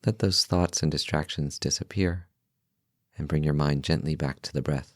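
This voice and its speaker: A man leading a guided meditation in a calm, gentle, unhurried manner, leaving long pauses between short phrases. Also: a bass voice, no room sound, clean studio sound. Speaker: meditation guide, podcast host.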